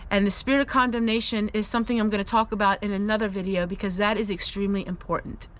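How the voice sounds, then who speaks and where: A woman's voice: medium pitch, steady tone, fast, fairly bright tone. A woman sharing a personal Christian testimony, speaking in an earnest, confiding and emphatic way as she encourages listeners. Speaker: host of a faith-based personal vlog.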